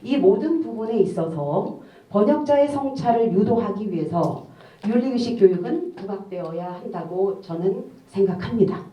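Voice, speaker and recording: A middle-aged woman speaks as a conference discussant, formal and measured, pausing often on soft fillers. Her voice is picked up from a distance in a reverberant hall. The sound is slightly dull and muffled. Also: medium pitch. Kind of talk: academic panel discussion.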